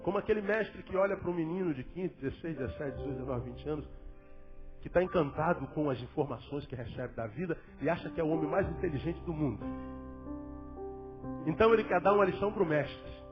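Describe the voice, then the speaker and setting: A man preaching a sermon as pastor, dramatic, swinging between loud emphasis and near-whispers, in a dull lo-fi recording with faint music. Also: fairly high pitch, quick pace.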